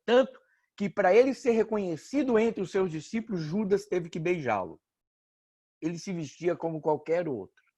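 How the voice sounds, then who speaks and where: A Brazilian pastor, a man preaching an informal sermon with joking stories and animated asides. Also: high voice, moderate pace. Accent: Brazilian Portuguese.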